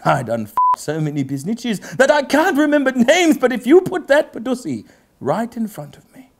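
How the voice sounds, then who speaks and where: A man in his thirties playing a pompous aristocratic gentleman host, giving a theatrical mock-literary dramatic reading of rap lyrics. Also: extremely high pitch, wildly swooping pitch, exaggerated voice. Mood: theatrical, emphatic. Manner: pompous, theatrical, drawn-out pauses. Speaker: comedy show host. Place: book-lined indoor study set, seated.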